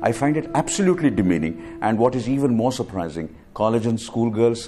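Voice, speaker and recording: Over music in the background, a man speaks at a fairly quick pace with lively intonation and a passionate tone. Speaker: theatre actor, voice-over artist. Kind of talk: unscripted campaign statement to camera.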